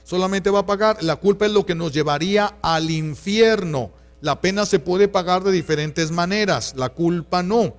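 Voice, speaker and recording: A Catholic priest with a Mexican Spanish accent preaching a sermon in an earnest, pastoral way, repeating key phrases for emphasis. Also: male voice, high-pitched, normal speed, few pauses, soft background music.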